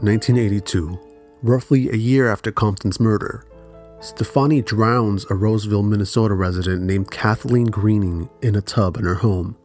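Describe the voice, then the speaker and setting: Low-voiced man narrating true crime. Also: darkish tone. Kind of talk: scripted documentary narration.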